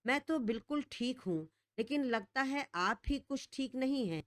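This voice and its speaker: A woman's voice: sits high, lively intonation, normal speed, dry recording, studio quality. A woman reading a stern, arrogant young husband. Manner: curt and stern.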